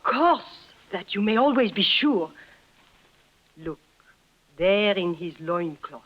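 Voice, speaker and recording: A woman's voice: medium pitch, animated, slow pace. An actress playing a bold, mysterious young woman who leads the way in a 1950s radio drama, speaking in formal, clipped, commanding phrases. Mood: hushed, intense. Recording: muffled old 1950s radio broadcast.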